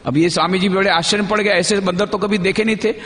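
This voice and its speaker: A man with a rather high voice gives a monk's talk to a youth convention. He teaches patiently, poses questions to his listeners and repeats his main points. The sound rings through a large hall with a long, roomy reverb. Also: steady tone, quick pace, fairly bright tone. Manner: teacherly, asks the audience questions; repeats key phrases for emphasis. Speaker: monk giving a talk.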